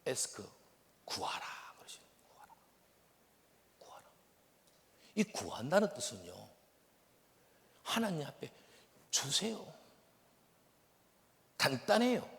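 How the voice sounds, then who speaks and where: Lively Gyeongsang preacher, reverberant hall. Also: male voice, medium pitch, measured pace, gravelly, pauses often. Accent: Gyeongsang Korean. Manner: animated, swings between loud bursts and hushed whispers. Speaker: missionary preacher. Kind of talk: sermon. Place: church sanctuary. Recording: long reverb of a church hall.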